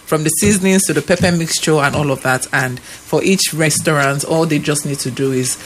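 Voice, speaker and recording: A woman's voice: sits low, brisk, slight background noise. Woman chef on the radio. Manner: explains with checking tags. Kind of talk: radio interview guest. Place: radio studio.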